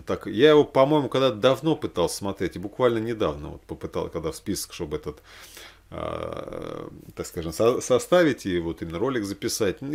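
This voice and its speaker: A man speaking casually and ramblingly as he recommends things to watch, halting and repeating himself for emphasis. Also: lowish voice, gravelly, a little mellow. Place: small room indoors.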